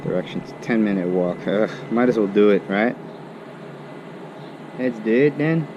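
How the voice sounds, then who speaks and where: A man's voice: fairly low pitch, animated, unhurried, highs cut off. A young man, a student, talking to himself in a put-on Irish accent while walking outdoors, muttering and self-mocking. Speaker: student vlogger. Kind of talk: casual walking vlog commentary. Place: outdoors on city streets and a campus. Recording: street traffic noise outdoors.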